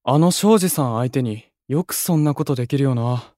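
A man's voice: mid-range voice, moderate pace, dark tone, dry recording, lightly acted. Guy doing cool blunt anime boy, curt wry comebacks, casual, dry studio sound. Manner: casual, curt, teasing retorts. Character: cool, blunt, wry young male idol. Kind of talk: Japanese anime-style audio drama acting.

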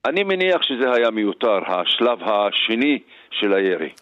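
A man's voice: lowish voice, sing-song, no room sound. A retired senior police officer explains his view firmly, step by step, in a plain mid-range voice. The line is dull and muffled, with a dry close sound. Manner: firm, explanatory, measured. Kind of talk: radio interview by phone.

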